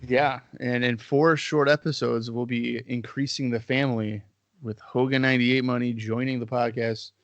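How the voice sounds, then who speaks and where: A man's voice: medium pitch, fairly even intonation, moderate pace, dry recording, muffled recording. A man hosting a podcast, talking in an easygoing, joking way with a stuffy head cold, on his own microphone over an internet call. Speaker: podcast host. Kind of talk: casual chat.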